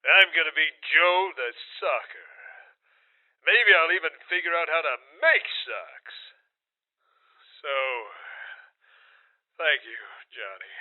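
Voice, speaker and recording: An actor playing a sweetly dim, earnest man who rambles haltingly through a recorded message in a radio drama. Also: medium pitch. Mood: earnest, resolved. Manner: halting, rambling, simple-minded. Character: slow-witted, earnest, sweetly muddled man, easily moved. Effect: lo-fi recorded message filter. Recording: tinny narrow-band recorded message.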